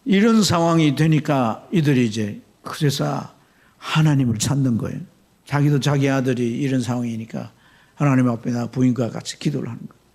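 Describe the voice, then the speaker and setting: Husky-voiced Korean pastor preaching. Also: male voice, brisk. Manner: storytelling with sharp swings in pitch and loudness. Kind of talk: sermon. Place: church sanctuary.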